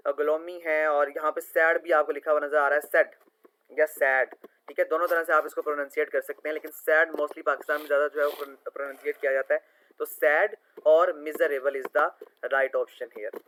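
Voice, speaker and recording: A man's voice: a little high, little pitch movement, a little fast, a bit bright, a little hiss or hum, rough recording. A man, an online tutor talking through quiz answers over a screen recording, explaining patiently and spelling words out letter by letter.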